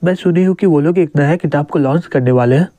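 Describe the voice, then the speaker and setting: A man's voice: on the high side, fast, mellow, no room sound, lightly acted. A man voicing a caring but bossy teenage schoolgirl who scolds her friend, in a manga recap.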